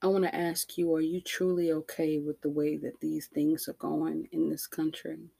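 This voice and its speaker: A woman with an African American accent delivering an impassioned monologue, emphatic and deliberate, with rhetorical questions and repetition. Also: sits low, flat delivery, creaky, warm tone, husky, dry recording. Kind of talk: impassioned spoken monologue to listeners.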